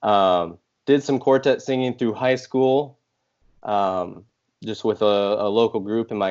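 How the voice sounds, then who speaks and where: A plain, everyday voice from a man, fairly low in pitch, at a fairly slow pace with fairly even intonation. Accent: American. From California, US. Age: 20s. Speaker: gospel bass singer. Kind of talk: interview.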